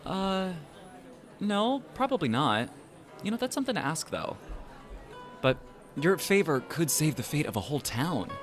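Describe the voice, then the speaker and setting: A man's voice: fairly high pitch, big pitch swings, normal speed, pauses often, soft background music. An actor playing an easygoing young man who jokes and reassures his friends in an audio drama, speaking casually. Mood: easygoing, reassuring. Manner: casual, joking. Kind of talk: acted dialogue in an audio drama podcast.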